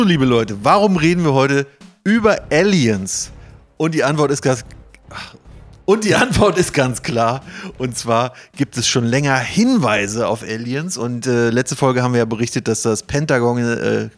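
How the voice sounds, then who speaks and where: Informal male podcast host, mid-pitched. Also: lively intonation, unhurried, faint music behind. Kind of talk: casual chat, presenting to co-hosts.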